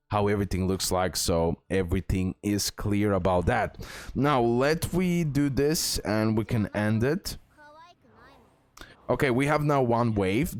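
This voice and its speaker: A man giving casual, excitable gameplay commentary, repeating words and talking straight to his viewers. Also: on the low side, dry recording. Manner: excitable, repetitive, addresses viewers directly. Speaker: gaming content creator, host. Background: music.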